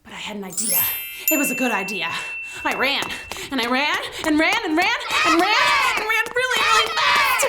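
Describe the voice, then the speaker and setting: A woman's voice: high voice, animated, brisk, heavy background noise. A woman hosting children's story time, telling tales in a theatrical, exclamatory, playful way. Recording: music bed behind the voice.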